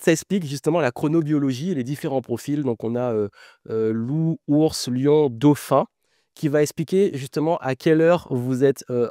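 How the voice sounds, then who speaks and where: Author, male, warm mellow voice, chatty enthusiastic explainer, dry close sound. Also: mid-range voice, no echo. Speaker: author presenting his book. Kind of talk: casual explanatory talk to camera.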